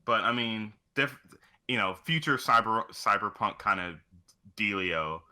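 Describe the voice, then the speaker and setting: A low-pitched man with a very bright, forceful voice, chatting loosely as a podcast co-host. He rambles through casual game talk and swears heavily. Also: lively intonation, unhurried. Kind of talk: casual chat about video games.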